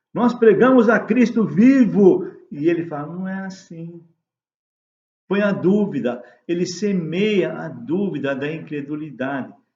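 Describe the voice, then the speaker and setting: Lively intonation marks a man's high-pitched voice with a dark, mellow tone. Audible room echo surrounds it. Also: fairly slow pace, big swings in loudness. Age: 70s. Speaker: Sunday school teacher. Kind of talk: Bible lesson teaching.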